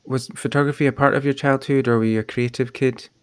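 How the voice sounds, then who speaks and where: A man's voice: medium pitch, fairly even intonation, fast, clean tone. A man hosting a podcast, reading a scripted intro and asking questions in an earnest, encouraging way. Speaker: podcast host.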